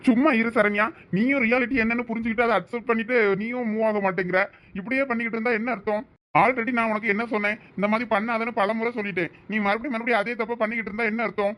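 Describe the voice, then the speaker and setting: A man's voice: very high voice, fairly even intonation, fairly bright tone. A man with a Thoothukudi Tamil accent playing a protective young village man who teases and lectures his family. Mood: scolding. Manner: brisk, teasing, lecturing.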